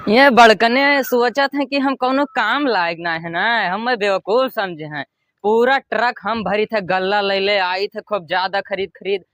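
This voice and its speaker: A man's voice: high voice, unhurried, a bit bright, dry recording, clean studio sound. Man acting a boastful Awadhi village grain trader. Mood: aggrieved, boastful. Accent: Awadhi, eastern Uttar Pradesh. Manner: boastful, exclamatory. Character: boastful, gullible young village grain trader who thinks himself smart. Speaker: comedy sketch actor. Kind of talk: rustic comedy sketch acting.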